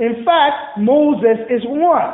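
With a Nigerian accent, a man talks in an animated tone with lively intonation over noticeable background noise. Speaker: pastor. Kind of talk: sermon, preacher in full flow with call-and-response and code-switching humor. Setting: church with congregation. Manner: animated, emphatic, conversational and exhortative.

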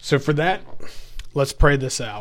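On a very clean recording with a silent background, a man speaks with a Virginia accent. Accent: Virginia Southern US. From US South, Virginia (Augusta County, Shenandoah Valley). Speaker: podcast host and chaplain. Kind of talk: casual religious podcast monologue. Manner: hesitant with fillers.

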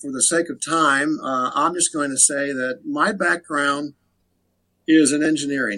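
Fairly high-pitched male voice with an American accent, a bright, sharp tone, ordinary pitch variation, and a fairly slow pace. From western Maryland. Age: 60s. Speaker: patient interviewee. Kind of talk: interview. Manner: halting, many fillers.

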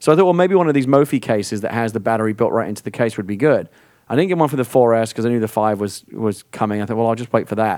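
A man races along at a very fast pace at medium pitch with lively intonation, in a very clean recording with a silent background. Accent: English. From England. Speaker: tech journalist. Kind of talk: casual chat.

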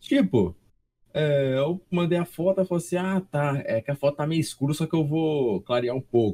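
A man speaks at a moderate pace with a fairly high pitch, lively intonation and a dark, mellow, somewhat breathy tone. The sound is dry and close with no echo. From Espírito Santo, Brazil (Vila Velha). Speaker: streamer. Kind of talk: casual chat.

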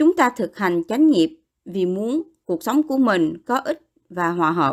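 On a very clean recording with a silent background, a woman speaks at a very slow pace in a calm tone, her pitch swinging very widely. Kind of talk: audiobook reading aloud of a Buddhist teaching text. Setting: recorded audiobook, solo narrator. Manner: even, steady, measured narration; formal, calm and instructive, with few pauses between sentences.

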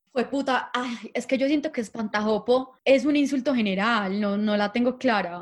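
Her voice high in pitch with ordinary variation, a woman speaks at a moderate pace in a very clean recording with a silent background. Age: 20s. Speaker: podcast host. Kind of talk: casual chat.

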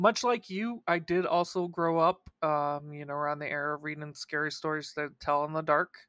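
In a very clean recording against a silent background, the talking keeps a moderate pace. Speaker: podcast co-host. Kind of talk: casual chat.

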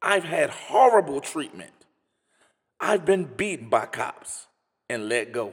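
With vocal fry and very wide pitch swings, a man speaks slowly at a fairly high pitch, leaving long, frequent pauses. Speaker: podcast host. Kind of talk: angry rant, heated monologue; monologue with ad reads. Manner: impassioned, loud, indignant, emphatic.

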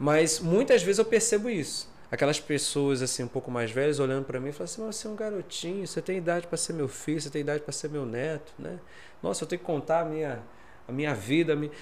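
Lively intonation marks this man's speech. He talks at a very fast pace. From Brazil, São Gonçalo (Rio de Janeiro). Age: 30s. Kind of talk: casual interview.

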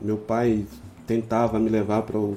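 The man's pitch is fairly low. He talks with monotone, flat intonation. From Bahia, Brazil. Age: 40s. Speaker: goalkeeper coach. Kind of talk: casual interview. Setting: studio.

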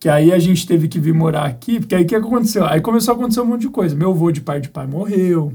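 This man has a high pitch yet a dark, mellow tone. He talks at a fairly quick pace with lively intonation. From Brazil, São Paulo. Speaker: youth pastor. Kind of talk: casual chat.

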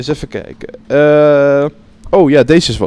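A man is speaking. His pitch is fairly high. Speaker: podcast co-host. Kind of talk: casual chat.

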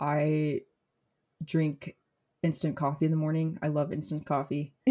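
A woman speaks at a fairly slow pace, her very deep, low voice dark and mellow in tone. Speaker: co-host, coffee shop worker. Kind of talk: casual chat. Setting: remote recording.

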